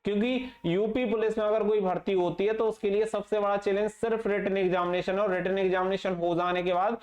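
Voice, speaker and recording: High-pitched man in echoey room. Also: fairly even intonation, a little fast. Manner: direct address, mixing in English terms. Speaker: exam-update channel host. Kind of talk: informal explainer addressed to exam candidates. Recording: echoey room, slightly muffled sound.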